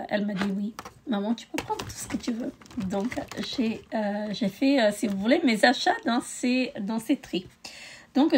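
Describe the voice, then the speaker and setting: A woman's voice: medium pitch, a little hiss or hum. A middle-aged woman, tired, chatting casually with many hesitations in a beauty haul video. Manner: hesitant, many euh fillers. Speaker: beauty vlogger.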